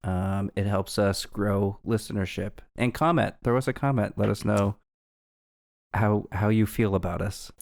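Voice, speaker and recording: A man's voice: fairly low pitch, fairly even intonation, a little slow, creaky, darkish tone. A man co-hosting a casual podcast, laid-back and agreeable. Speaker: podcast co-host. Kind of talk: casual chat.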